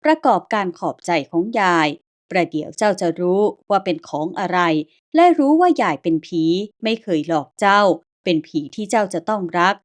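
A woman voicing a kindly old grandmother ghost who speaks in calm, old-fashioned rustic words and reassures the listener. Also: mid-range voice, normal speed, close to an everyday voice. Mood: reassuring.

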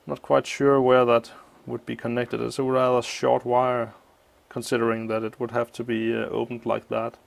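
A man explaining a teardown of an old appliance at a workshop bench, thinking aloud with many pauses, his voice slightly muffled by a mask. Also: mid-range voice, vocal fry. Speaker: electronics teardown host. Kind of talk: hands-on technical walkthrough.

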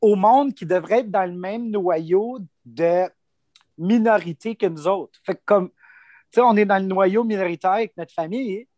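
A man's voice: sits high, normal speed, a little mellow, no room sound. Chatty Franco-Ontarian man, dry sound. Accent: Franco-Ontarian French. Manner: loose and informal, full of "tu sais" and "comme". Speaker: panelist. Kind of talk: casual panel discussion.

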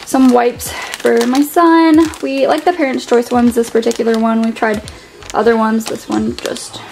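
A woman's voice: fairly high pitch, unhurried, creaky, a little hiss or hum, rough recording. A young woman at home showing her grocery haul on a handheld camera, talking casually with lots of "like" and "um". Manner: relaxed and chatty, many fillers like "like" and "um". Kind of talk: casual chat. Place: home, indoors, at a table. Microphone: camera held overhead, point-of-view shot. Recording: home video with music underneath. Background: background music.

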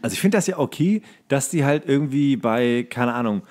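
A man's voice: medium pitch, expressive, fairly quick, darkish tone. A man co-hosting a podcast in a casual, rambling chat, often drifting off on tangents. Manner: rambling, digressing. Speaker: podcast co-host.

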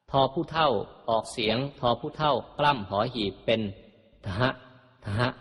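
A man calmly teaching how to chant and pronounce the ritual words, speaking in a slow, measured way and saying each example sound twice. His mid-pitched voice carries a long echo, as if recorded in a large hall. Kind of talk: instructional explanation with chanted examples.

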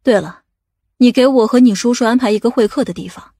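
A woman voicing an authoritative, practical aunt in an audiobook drama, giving brisk instructions. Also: a little high, mellow. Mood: instructing.

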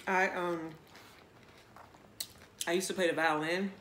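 A mukbang vlogger with a medium-pitched voice chats casually, chewing while talking. Phrases come out between bites, often with a mouth full. The room adds a clear echo, and there is faint noise behind the voice. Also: flat delivery, slow, fairly bright tone.

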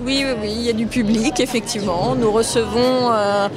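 A woman in her forties at an exhibition stand, answering a reporter in a measured way with fillers. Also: on the high side, steady tone, a crowd in the background. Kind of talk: interview answers. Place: busy indoor exhibition hall.

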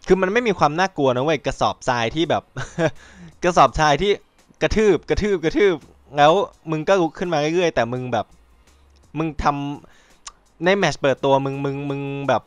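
A man hosting a podcast in casual chat, rambling and excitable, swearing freely and acting out quotes. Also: a little high, no echo. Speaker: podcast host.

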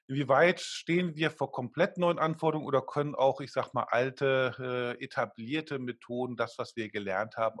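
A man's voice: mid-range voice, no echo, clean studio sound. A middle-aged man co-hosting a live podcast over a video call, chatting casually with many fillers and asking the audience for comments. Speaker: podcast co-host. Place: home office. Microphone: desk microphone on a video call.

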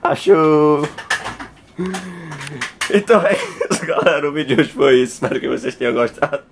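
A man's voice: on the high side, expressive, normal speed, vocal fry. A young man pranking his partner for a casual vlog, teasing her and laughing between dramatic exclamations. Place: inside a house at night. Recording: noisy handheld home recording.

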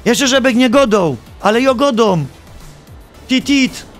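A man streaming live, giving gameplay commentary in an animated, joking and playfully exasperated way. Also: high-pitched, normal speed, soft background music.

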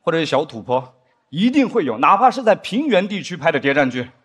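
A young adult man performing a stand-up comedy set on a studio stage, animated, now and then acting out stiff drama lines in a lower voice. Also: a little fast, a little hiss or hum. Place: studio stage with live audience. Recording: studio stage with audience laughter. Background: audience laughter.

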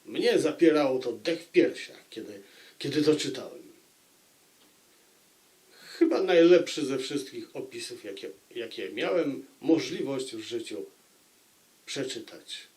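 A man speaks very slowly in a mid-pitched voice, as host of an informal book review. He is deliberate, leaving dramatic pauses and repeating phrases to stress them. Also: lively intonation, darkish tone.

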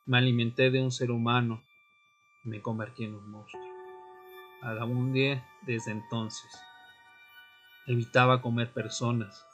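A man playing a tormented young vampire, narrating an audio drama in the first person with solemn, deliberate, dramatic pauses. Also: mid-range voice, a bit bright, lightly acted. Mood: haunted, somber. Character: Fernando, tormented newly turned male vampire recounting his death. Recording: music bed under the voice.

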